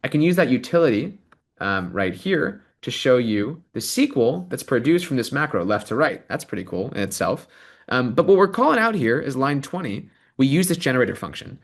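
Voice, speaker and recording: A man leading a live software demo and then interviewing a guest over a video call, talking with eager energy and many ums. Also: mid-range voice, a little fast. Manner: animated, enthusiastic, many ums and rights. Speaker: product manager giving a demo and host.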